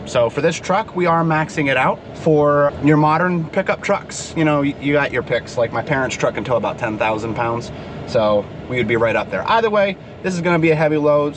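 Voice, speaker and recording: A man's voice: on the high side, noisy background. Upbeat congested young man vlogging. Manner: upbeat, chatty, explains as he goes. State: congested, nasal from a cold. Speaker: vlog host, stable manager. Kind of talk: casual vlog narration. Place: in a truck and outdoors at a farm.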